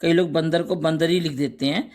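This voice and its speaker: A man teaching a grammar lesson, slowly reciting pairs of words one by one and adding short explanations. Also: a little high, fairly even intonation, a little mellow. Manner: slow, deliberate recitation of word lists with brief explanations.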